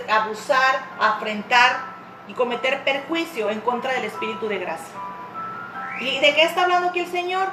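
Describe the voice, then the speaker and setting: A woman's voice: high-pitched, a bit bright, roomy sound, a little hiss or hum, low-quality recording. A woman pastor preaching a sermon with passion, sometimes acting out tearful prayers.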